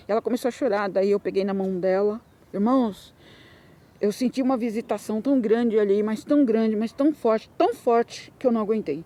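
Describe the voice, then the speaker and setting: A woman's voice: medium pitch, warm tone. A woman with a Brazilian Portuguese accent giving a Christian testimony, telling her story in an emotional, repetitive way that rises into fervent bursts.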